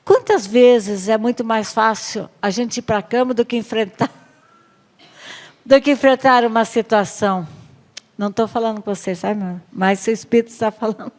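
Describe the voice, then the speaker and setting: A woman pastor with a Brazilian accent preaching to a women's service, lively and questioning the congregation. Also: a little high, normal speed. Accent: Brazilian Portuguese. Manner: lively, acts out Bible stories, asks the room questions.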